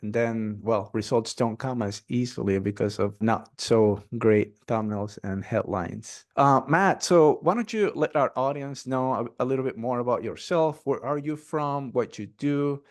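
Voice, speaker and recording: A man's voice: mid-range voice, a little slow, few pauses. A man hosting a podcast interview, upbeat and enthusiastic, with casual fillers. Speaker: podcast host.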